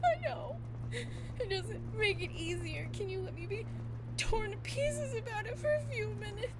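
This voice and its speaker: Woman acting distraught, very high-pitched tearful friend. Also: animated, a little slow, noisy background. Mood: torn, grieving. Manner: stammering, sobbing, protesting. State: crying. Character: distraught young woman, loyal, stubborn, grieving friend. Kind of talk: audio drama acting.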